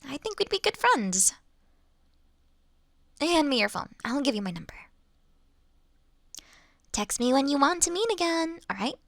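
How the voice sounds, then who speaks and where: Woman acting a gentle high-voiced vampire, slow and playful. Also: very animated, no echo, studio quality, exaggerated voice. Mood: playful, friendly. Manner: soothing, polite, teasing, unhurried. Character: kind, playful female vampire, gently reassuring, long undead. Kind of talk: intimate roleplay audio drama.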